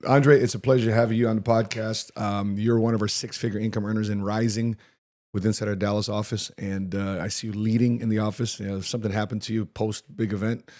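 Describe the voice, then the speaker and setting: Fast-talking podcast host, rambling. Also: male voice, fairly low pitch, level tone, darkish tone. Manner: rambling, many fillers and restarts, upbeat. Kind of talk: casual podcast interview.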